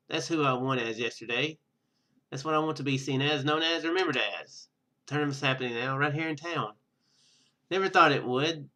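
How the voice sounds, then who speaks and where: A man's voice: fairly high pitch, bright, forceful tone, rough recording. A man voicing a determined young female student and secret fighter in a visual novel game, earnest and confiding.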